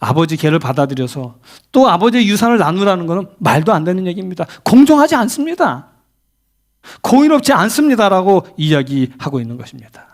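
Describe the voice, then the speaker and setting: A middle-aged male pastor gives a sermon in a church. His voice sits fairly high and swoops up and down as he tells stories. He keeps asking the congregation questions. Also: very animated, quick pace. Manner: storytelling preacher, asks the congregation questions. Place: church sanctuary.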